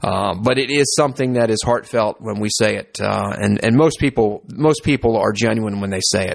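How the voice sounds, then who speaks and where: In a plain, everyday voice, a man speaks at a moderate pace and medium pitch with ordinary pitch variation and hardly any pauses over a quiet background. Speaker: podcast host. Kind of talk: scripted intro and outro narration. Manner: formal, earnest.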